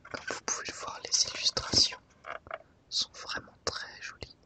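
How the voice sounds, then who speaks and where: A woman hosts an ASMR video, whispering softly and breathily with gentle, unhurried, careful phrasing. Her microphone sits slightly off to one side.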